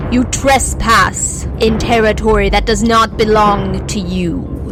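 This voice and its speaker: A put-on character voice at a fairly slow pace, over loud background noise. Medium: actual play. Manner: formal, solemn.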